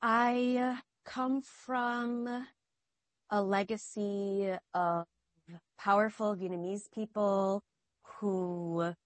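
A young adult woman from Minnesota, answering interview questions in a slow, reflective, earnest way. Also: medium pitch, fairly even intonation, no room sound. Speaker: guest, artist.

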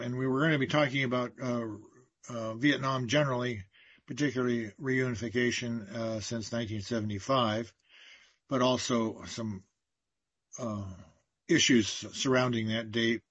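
Male community radio host, husky, hesitant, dry and dull lo-fi recording. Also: mid-range voice, fairly even intonation, moderate pace, a bit bright, no echo. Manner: hesitant, many uh fillers. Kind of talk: casual radio talk.

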